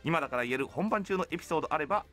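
A male radio host with a fairly high, very animated voice. He speaks politely and expressively, as if presenting listener mail or chatting on air. Music plays softly behind him in the studio. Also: very fast. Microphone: studio boom mic. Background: faint background music.

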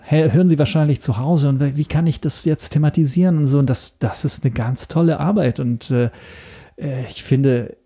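Guy on a podcast, creaky relaxed voice, keeps repeating words while he thinks. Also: a little high. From Italy. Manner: halting, searching for words with repeated starts. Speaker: podcast guest. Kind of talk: casual interview talk.

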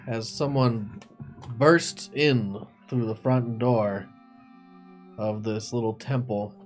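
A man's voice: medium pitch, steady tone, slow. A middle-aged man narrating a tabletop game as game master, indoors. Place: indoor streaming set. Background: background music.

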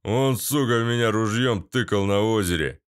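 A man voicing a rough, foul-mouthed former paratrooper comrade in an audiobook. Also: fairly low pitch, normal speed, lightly acted. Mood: gruff. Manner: coarse, gruff, offhand cursing.

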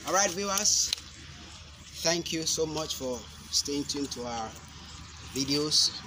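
A young man demonstrating self-defense moves, explaining each step slowly and deliberately, with sharp shouted cries on the strikes. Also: on the high side, animated. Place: outdoor concrete court. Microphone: camera mic at a distance. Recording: outdoor noise from a camera mic.

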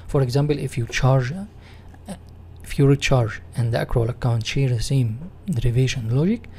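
In a husky, medium-pitched voice at a moderate pace, a man with an Egyptian Arabic accent gives a software tutorial. Speaking non-native English, he reads material and rephrases it as an instructor.

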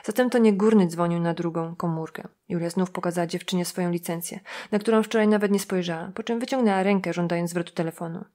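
A woman narrating an audiobook in an even, measured reading. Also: fairly low pitch. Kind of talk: scripted narration.

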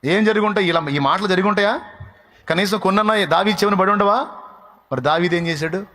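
A man's voice: high voice, fairly quick, bright, forceful tone. A man pastor delivering a dramatic sermon full of rhetorical questions and emphatic repetition.

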